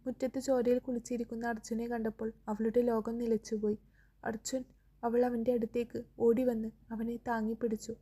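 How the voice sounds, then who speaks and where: Woman narrating a story, mellow and husky. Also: on the high side, a little fast, hardly any pauses. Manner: steady storytelling. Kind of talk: scripted narration.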